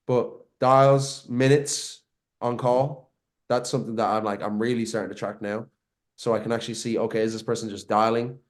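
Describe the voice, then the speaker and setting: A man's voice: mid-range voice, fairly even intonation, normal speed. A young man talks over a video call as a podcast guest. He is brash and profane, speaks in bursts and often repeats himself. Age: 20s. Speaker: guest, marketing agency owner. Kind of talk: casual podcast interview.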